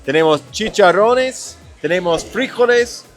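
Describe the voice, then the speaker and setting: A man's voice: high voice, expressive, unhurried, faint music behind. A man hosting a food vlog in a restaurant, chatting casually and stopping often to search for his words. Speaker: vlog host tasting food.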